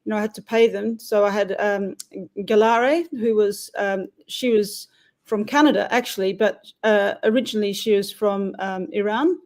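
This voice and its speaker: A woman recounting a long cycling expedition in a casual interview, rambling with many pauses and restarts. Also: medium pitch, a little mellow. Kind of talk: casual interview over a call.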